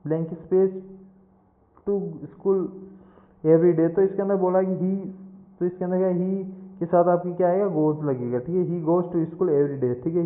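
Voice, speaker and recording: A man, explaining exam answers as a coaching teacher, patient and repeating each answer. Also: high-pitched. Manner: patient, repeats answers, addresses listener directly. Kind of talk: explaining mock test answers. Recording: echoey, tinny phone-quality audio.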